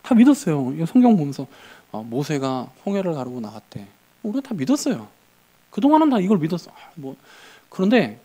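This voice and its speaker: A male pastor preaching a midweek church sermon, animated, acting out quotes and asking the congregation rhetorical questions. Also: on the high side. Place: church service.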